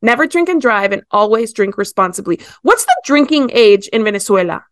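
A woman's voice: on the high side, big pitch swings, fairly quick, dry recording. Dry-sounding chatty woman host. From Ecuador. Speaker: podcast host. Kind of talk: casual chat.

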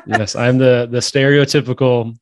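A man's voice: medium pitch, steady tone, moderate pace. Easygoing American man, podcast guest. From Tampa, Florida. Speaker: guest, blogger. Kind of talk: casual chat.

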